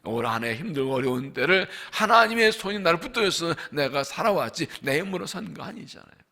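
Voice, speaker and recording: A man preaching as senior pastor at a dawn revival service in a church, emphatic, asking the congregation questions and slowly stressing scripture lines. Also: a little high, expressive, gravelly, bright, forceful tone. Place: church sanctuary.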